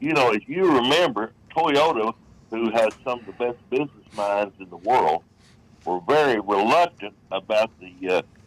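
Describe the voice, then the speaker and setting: With a Southern US accent, a man speaks at medium pitch and a moderate pace, his intonation lively. His loudness swings widely, and the sound is dry and close with no echo. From US South. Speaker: caller. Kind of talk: phone call. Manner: halting.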